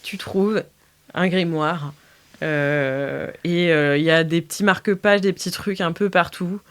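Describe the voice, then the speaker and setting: A woman narrating an improvised tabletop role-playing game as game master, often pausing to search for her words. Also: fairly low pitch.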